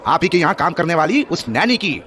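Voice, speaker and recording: A man's voice: on the high side, sing-song, brisk, fairly bright tone. An actor playing a self-righteous village man in a horror audio drama, harsh and accusatory in his scolding. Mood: earnest, insistent. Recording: noisy crowd and street ambience behind.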